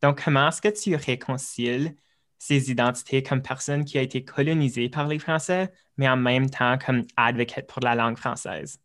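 A man's voice: medium pitch, fairly even intonation, normal speed, a bit bright. A young man hosting a podcast, chatting loosely and slipping into English mid-sentence. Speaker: podcast host. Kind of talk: casual podcast chat.

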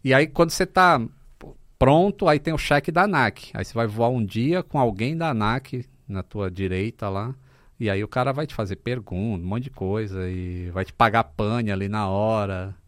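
A Brazilian man in his fifties, a podcast guest telling stories in a relaxed, casual way with many fillers. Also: on the low side, moderate pace, no room sound, clean studio sound. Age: 50s. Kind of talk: casual chat.

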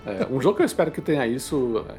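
Brazilian man, mid-pitched podcast voice. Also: animated, fast talker, darkish tone, soft background music. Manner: informal, conversational, colloquial. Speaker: podcast co-host. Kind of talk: casual chat about video games.

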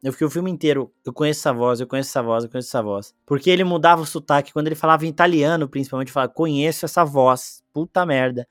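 Fast-talking Brazilian man, animated podcast host. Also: on the high side, dry recording, studio quality, faint music behind. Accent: Brazilian Portuguese. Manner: animated, slangy, exclaims often. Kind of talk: casual film review chat.

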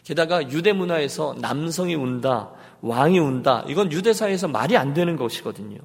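A male pastor preaches with passion, his fairly high voice rough and gravelly. He swings from loud urging to quiet pleading, and his words ring out with a long echo in a church hall. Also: animated, a little fast. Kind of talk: sermon. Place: church sanctuary.

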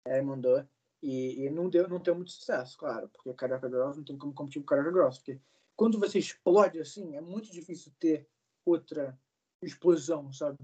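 A young man in his early twenties chats casually in an interview. He rambles through his stories with plenty of fillers and the odd swear word, in a voice that sits a bit high for a man. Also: fairly quick, a little mellow, slightly rough, muffled recording. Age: 20s. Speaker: guest, singer.

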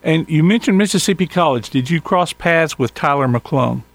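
A man with a fairly high voice hosts a sports radio show. He asks casual, halting questions full of fillers, and his voice sounds dry and close, with no room around it. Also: expressive, no echo. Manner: informal, hesitant questions with fillers. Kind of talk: interviewing a guest.

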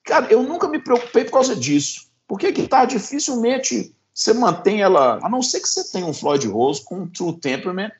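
Animated guitar-talking man, lo-fi sound. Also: sits high, a little fast, hardly any pauses. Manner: animated, swearing, many restarts. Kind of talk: casual chat about guitars. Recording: dull lo-fi sound.

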